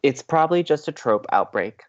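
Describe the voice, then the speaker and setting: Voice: medium pitch, expressive, moderate pace, no room sound, highs cut off, lightly acted. An actor playing a playful, sociable college radio co-host who banters earnestly and teasingly with theatrical emphasis.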